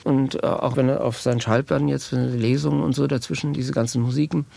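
A man with a creaky voice explaining things informally and haltingly as a musician, thinking aloud with music behind him. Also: mid-range voice, fairly even intonation, warm tone, no room sound. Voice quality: creaky, gravelly. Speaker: musician and composer.

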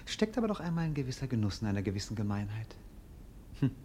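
An actor playing a melancholy, witty young prince in a classic radio play, eloquent and theatrical in a world-weary way. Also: male voice, fairly low pitch, very animated, fast, warm tone, a little hiss or hum. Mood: weary, scornful.

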